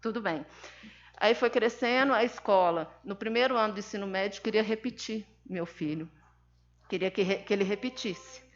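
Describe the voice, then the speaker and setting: A woman's voice: medium pitch, normal speed. A Brazilian woman, a mother, giving an emphatic, indignant personal testimony at a seminar, acting out the dialogue of her story. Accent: Brazilian Portuguese. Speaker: seminar speaker, mother of an autistic son. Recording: dull lo-fi sound.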